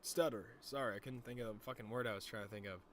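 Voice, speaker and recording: A man's voice: medium pitch, fast, fairly bright tone. A young man rambles loosely to his audience, his speech catching on a lisp and a stutter. He swears freely and keeps the chat jokey and meandering. A faint hiss sits under the recording. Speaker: streamer. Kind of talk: casual stoner vlog chat.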